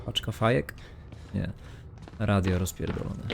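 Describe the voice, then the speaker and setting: The speaker is a streamer with a gravelly voice on the low side and a measured pace. Live on a horror game, he mutters and swears, half to himself and half to his viewers, in noisy stream audio.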